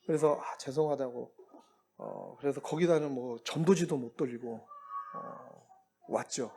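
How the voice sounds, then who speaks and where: Brief: male missionary preacher, medium pitch, chatty storytelling sermon. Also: a little slow, vocal fry, warm tone, slightly rough. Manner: conversational, anecdotal, chuckles while telling stories.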